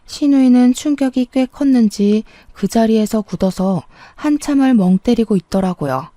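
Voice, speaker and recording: A woman narrating a personal story in a calm, sometimes sarcastic scripted reading. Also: on the high side, normal speed, no echo, clean studio sound.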